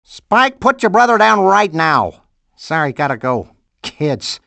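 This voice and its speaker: A chipper, busy cartoon animal mother with a folksy Upper Midwestern accent. The pitch bounces around in a very dry, close recording, in video game style. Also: big pitch swings, a little slow, creaky, fairly bright tone, no room sound, heavily acted. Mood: motherly, busy. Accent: Upper Midwestern American.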